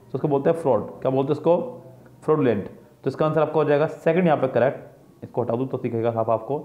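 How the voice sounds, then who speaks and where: A man teaching an exam-prep grammar lesson, explaining each answer step by step and repeating his own questions and answers. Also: medium pitch. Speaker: English teacher. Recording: roomy, dull lo-fi sound.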